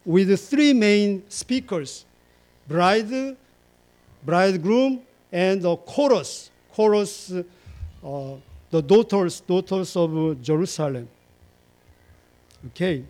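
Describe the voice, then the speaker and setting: A man preaching a sermon slowly, repeating words and phrases for emphasis and stringing long lists together. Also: sits high, a little mellow. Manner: fillers and restarts, lists in long chains. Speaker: pastor.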